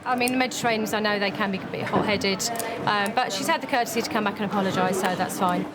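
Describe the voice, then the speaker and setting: A woman's voice: medium pitch, quick pace. A woman working as an airline manager, speaking in a firm, curt, insistent way. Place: busy airport terminal. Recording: loud crowd and airport noise behind.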